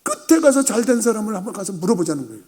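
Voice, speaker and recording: A middle-aged male pastor preaching a sermon, telling a Bible story and acting out the characters' lines, swinging between loud and hushed. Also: high voice, big pitch swings, very fast. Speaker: senior pastor.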